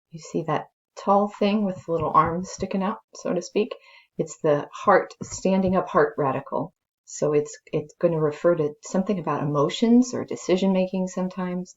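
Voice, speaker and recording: A native English-speaking woman with a low-pitched voice, recorded in muffled sound. She is a language teacher teaching informally and thinking aloud as she explains, first reading a story slowly and dramatically, then giving casual lesson commentary.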